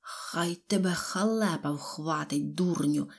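A woman voicing a brutal, red-faced male officer with a rough voice, who gives slow, menacing orders in an audiobook. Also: on the high side, full character voice.

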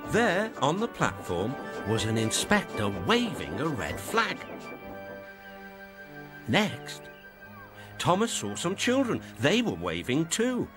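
A man with a British accent narrating a children's storybook in a gentle, measured way. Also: a little high, huge pitch swings. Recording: music playing behind.

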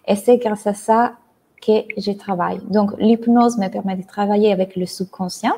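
A woman in her thirties speaks French with an Italian accent, explaining ideas to a live online audience with lively energy. Her tone is mellow and a little husky. She is heard through an earphone mic on a video call from a room at home. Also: mid-range voice. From Italy. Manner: lively, gestures a lot with her hands while explaining. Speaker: mindset coach and hypnotherapist. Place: bright room at home, indoors. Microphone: earphone headset mic on a video call.

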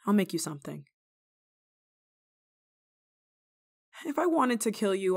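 A woman playing a stern but kind-hearted village nun in a dramatic roleplay monologue, scolding and teasing with theatrical pauses. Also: fairly low pitch. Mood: softening, matter-of-fact.

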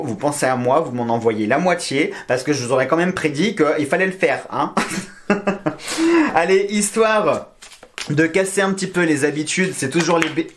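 A man's voice: fairly high pitch, a little hiss or hum. A man giving a casual weekly horoscope reading, joking around and counting scores aloud. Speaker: astrology and tarot reader.

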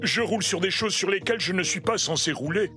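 A man's voice: high-pitched, expressive, fast talker. A man voicing a gullible, good-natured steamroller in a children's cartoon, sounding naive and hesitant. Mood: hesitant, sheepish. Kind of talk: French children's cartoon dub. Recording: music underneath.

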